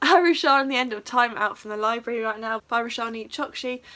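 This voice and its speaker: Bright and sharp in tone, the voice carries an English accent at a fairly quick pace. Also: woman. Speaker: book vlogger. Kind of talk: casual chat. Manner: fast; halting.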